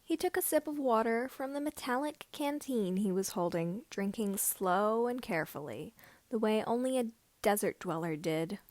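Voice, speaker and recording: A woman reading a story aloud as scripted narration, with somewhat halting phrasing. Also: medium pitch, lively intonation, a little mellow, dry recording. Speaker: amateur audiobook reader of fan fiction.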